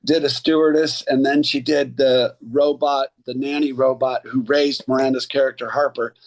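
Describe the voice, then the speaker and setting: A man in his sixties, an actor and voice coach, telling animated stories in a casual interview and slipping into others' voices. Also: medium pitch, moderate pace. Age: 60s.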